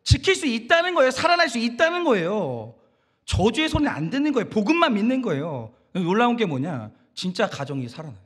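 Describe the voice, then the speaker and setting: Man, pastor, Sunday sermon, emphatic, rhetorical questions, high voice, very lively pitch. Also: fairly quick, breathy edge. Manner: emphatic, preaching with rhetorical questions and direct address. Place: church sanctuary.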